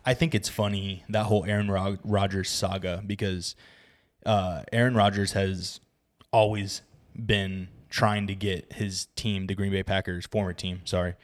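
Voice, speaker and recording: Deep-voiced man hosting a joking podcast. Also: level tone, measured pace. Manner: joking, irreverent. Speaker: podcast host. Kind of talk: casual sports banter.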